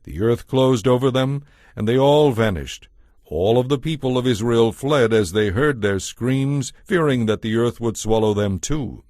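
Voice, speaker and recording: A man narrating scripture from a script as a storyteller, in a measured, solemn way. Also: mid-range voice, darkish tone, no echo, clean studio sound.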